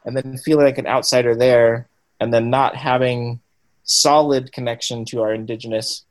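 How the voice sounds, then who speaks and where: Young guy in an interview, talks slow and thoughtful, lots of ums, kind of halting, average-pitched voice. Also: little pitch movement, poor audio. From Washington State and Cambodia. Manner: thoughtful, many ums and restarts. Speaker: guest. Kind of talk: conversational interview.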